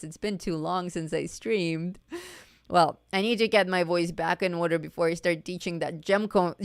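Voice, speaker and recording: Chatty woman teaching, voice going hoarse. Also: fairly low pitch, no echo, clean studio sound. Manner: chatty, self-correcting, repeats words. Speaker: art teacher streaming live. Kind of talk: live-stream coloring lesson.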